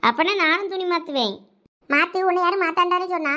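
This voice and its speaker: A woman with a Thoothukudi Tamil accent voicing village women in a cartoon, full of lively scolding banter. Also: extremely high pitch, fast. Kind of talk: cartoon voice acting.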